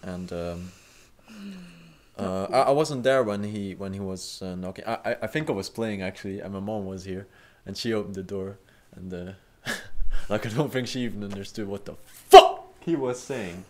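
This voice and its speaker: Young guy host, lowish voice, rambly, lots of uh and um. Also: moderate pace, darkish tone, a little hiss or hum. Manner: rambling, many fillers and restarts, casual swearing. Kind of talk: improvised casual commentary.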